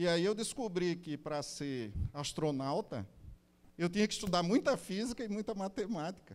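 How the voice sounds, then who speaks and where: A man at a high pitch, moderate pace and lively intonation. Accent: Brazilian. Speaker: university professor and institute director. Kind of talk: opening address at a conference.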